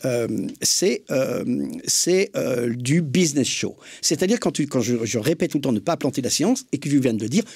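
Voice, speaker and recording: A man's voice: medium pitch, animated, moderate pace, vocal fry, few pauses, a little mellow, husky, dry recording. A man taking part in a casual panel discussion, making his points emphatically and repeating key phrases.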